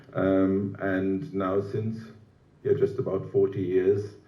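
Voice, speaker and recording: A man speaks at a fairly slow pace in a fairly low pitch, with audible room echo around him. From Germany, North Rhine-Westphalia. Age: 60s. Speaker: retired board game designer. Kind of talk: online interview.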